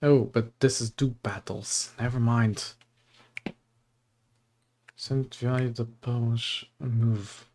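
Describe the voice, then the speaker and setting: A young man from Portugal talks slowly and loosely on a livestream, filling gaps with ums and uhs. He reads passages aloud into a desk microphone at an unhurried pace, his voice sitting in a middling register. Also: mid-range voice, steady tone, darkish tone, a little hiss or hum. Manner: slow, rambling, reads text aloud with many fillers. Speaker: streamer. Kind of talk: casual livestream chat and reading.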